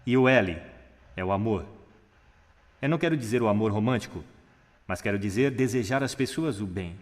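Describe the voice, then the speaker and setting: A man giving a stage talk on voice technique, demonstrating shifts in pitch, pace and volume. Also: lively intonation, moderate pace, in a large hall. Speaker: speaker on public speaking. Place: large hall on a stage.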